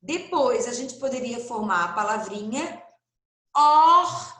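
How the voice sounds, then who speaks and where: A woman's voice: on the high side, expressive, a little slow, fairly bright tone, roomy sound. A woman with a Brazilian Portuguese accent, teaching first graders in a recorded online class, patient and stretching words out for young children.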